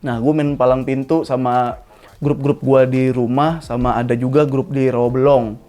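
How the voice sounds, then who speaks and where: A man, telling stories from his life in a casual, slangy stand-up monologue, his pitch jumping up at the punchlines. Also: normal speed. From Jakarta, Indonesia. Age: 20s. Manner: casual slangy storytelling with animated pitch jumps. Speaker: stand-up comedian. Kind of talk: comic monologue storytelling. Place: studio.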